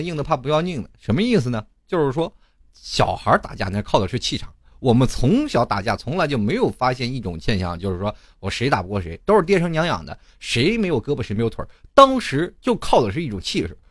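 A young man tells stories in a comedic monologue. His pitch leaps and dips in a very animated way, and he throws in rhetorical asides and chuckles as he goes. His voice sits dry and close, with no room sound. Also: no room sound. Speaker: host.

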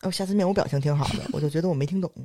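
A man's voice: fairly high pitch, racing, dark tone, no echo, clean studio sound. A man telling workplace stories in a casual chat. He is blunt, swears freely, and mocks people as he acts out what they said. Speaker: podcast co-host.

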